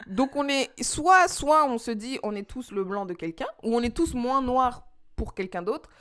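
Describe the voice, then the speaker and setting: A woman from France co-hosting a podcast in casual chat, talking in quick rushes with colloquial slang. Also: a little high. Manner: animated, talks fast in rushes, colloquial slang. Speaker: podcast co-host.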